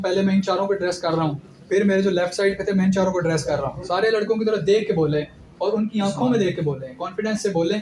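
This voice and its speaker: A young man giving direct, instructive advice in an informal lecture about his selection-board experience. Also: high-pitched. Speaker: ISSB candidate giving advice. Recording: echoey room with clear background noise.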